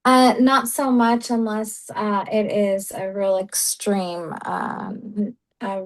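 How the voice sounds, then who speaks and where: A young woman answers as a guest in a casual interview, polite and brief, with a few fillers. Her voice sits mid-range and stays flat and even. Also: medium pitch, takes it slowly, low-quality recording. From Chicago, raised in Texas.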